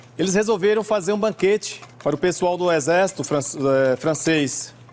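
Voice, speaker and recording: Over noticeable background noise, a man with a Pernambuco accent talks at a moderate pace in a high pitch, with ordinary pitch variation and very even loudness. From Brazil, Pernambuco. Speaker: chef. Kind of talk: cooking tutorial.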